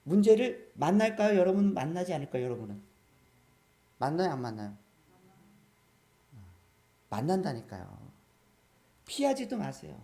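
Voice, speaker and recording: Delivering a sermon, this pastor fires questions at his congregation and keeps calling for amens. He has a fairly high, sing-song voice that is creaky and dark. He speaks at a moderate pace with frequent pauses.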